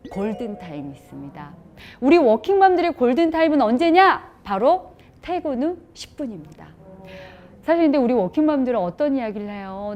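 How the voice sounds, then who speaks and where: A woman's voice: a little high, a little mellow. A woman lecturing working mothers on parenting, asking rhetorical questions and acting out everyday scenes.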